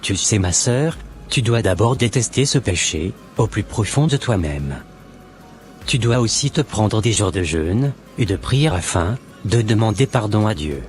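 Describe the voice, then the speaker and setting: Man acting born-again Christian, lowish voice, solemn, preachy, formal, cartoon dialogue, faint music. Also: expressive, measured pace. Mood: solemn, admonishing.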